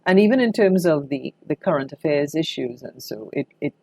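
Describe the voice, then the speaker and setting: A woman's voice: low-pitched, expressive, a little fast, gravelly, darkish tone, no echo. An older woman with a Trinidadian accent reminiscing conversationally in an interview, telling anecdotes expressively as a veteran broadcaster.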